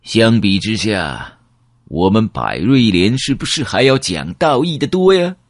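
A man's voice: fairly low pitch, sing-song, measured pace, no room sound, studio quality, voice pushed up, heavily acted. A man reading an audiobook, voicing a smug, smiling middle-aged schemer with a coaxing tone.

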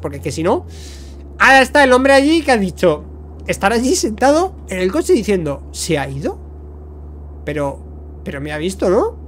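Excitable gaming streamer, man. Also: high voice. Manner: excitable, shouts during firefights, jokey. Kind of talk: gameplay commentary. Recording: faint gunfire noise behind.

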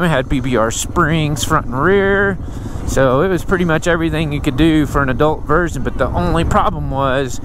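A middle-aged man talks easily as he rides, drifting from one thought to the next with lots of fillers. His voice sits in an ordinary middle register. Engine drone and wind noise run clearly under every word from the helmet mic. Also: mid-range voice. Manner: rambling, easygoing, full of fillers. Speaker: motorcycle vlogger. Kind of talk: casual ride-along narration. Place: outdoors riding a motorcycle on dirt trails. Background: motorcycle engine and wind noise.

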